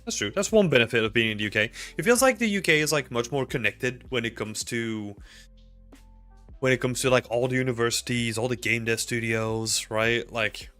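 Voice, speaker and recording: Speaking at medium pitch and normal speed, a Belgian livestream host in his thirties has a bright, forceful tone as he rambles through viewer questions with plenty of fillers. He's indoors in a small home room on a desk mic with headphones, and faint music plays behind him.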